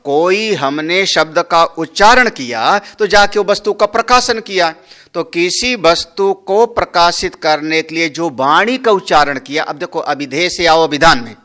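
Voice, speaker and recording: A man's voice: a little high, unhurried, sharp tone. A man, a Hindu swami, giving a scriptural discourse, explaining a Sanskrit verse word by word and asking and answering his own questions.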